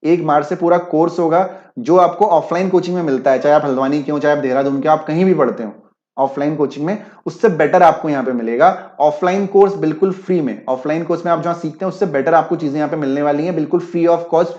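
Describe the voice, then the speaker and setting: Male teacher, live online class, mix, slightly high voice, roomy lo-fi sound. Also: fast talker, darkish tone. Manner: mixes Hindi with English, keeps checking if students follow. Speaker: online exam-prep teacher. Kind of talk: live-class explanation with chat replies. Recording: echoey, dull lo-fi sound.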